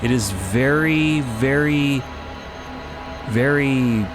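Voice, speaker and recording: A man's voice: mid-range voice, extremely slow. A man narrating a fiction podcast in a theatrical, emphatic storytelling style with casual asides. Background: music under the narration.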